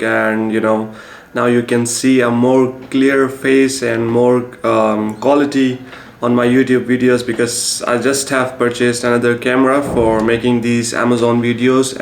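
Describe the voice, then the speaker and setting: A man with a Pakistani accent talks casually to the camera as a video host, in a halting way with repeated words. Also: medium pitch, gravelly. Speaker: YouTube host and Amazon business instructor. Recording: echoey room with faint noise.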